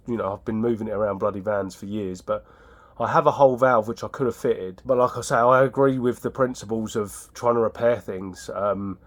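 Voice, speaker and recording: Middle-aged heating engineer with a cold, blunt, ranty and sweary, filmed on a phone in a house loft. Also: male voice, mid-range voice. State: has a cold. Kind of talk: casual work vlog. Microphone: phone camera.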